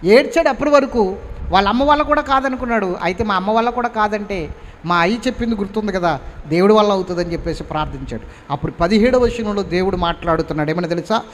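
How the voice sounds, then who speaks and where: Male pastor, high voice, emphatic sermon delivery, long hall reverb. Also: fast talker. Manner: emphatic, urging the congregation to respond. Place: church hall. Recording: reverberant hall, faint background noise.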